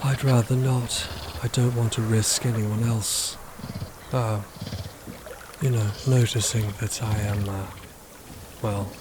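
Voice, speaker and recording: A man's voice: on the low side, steady tone, slow pace, pauses often, noisy background. A man playing a reserved, secretive undead being in a fiction podcast, awkwardly earnest, with a hesitant, formal manner. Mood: uneasy. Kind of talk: understated fiction podcast acting.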